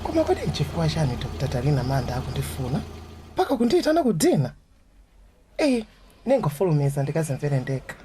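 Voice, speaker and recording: A woman's voice: deep voice, sing-song, fast talker, noisy background. An actress with a Malawian accent playing a cheerful, devout young woman chatting with a friend in a radio drama. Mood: curious.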